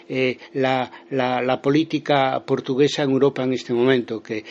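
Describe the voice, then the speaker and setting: A man with an accent from Spain giving spontaneous political commentary in an interview, haltingly, often repeating words and restarting. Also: on the high side, lo-fi sound. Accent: Spanish from Spain. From Galicia, Spain.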